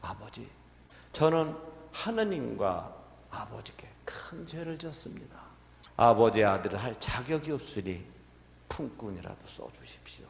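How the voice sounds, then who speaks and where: A man voicing an ashamed, repentant younger son who begs in a hushed, broken whisper. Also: medium pitch, sing-song, unhurried, gravelly, pitched below the performer's own voice. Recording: echoey hall with long reverb.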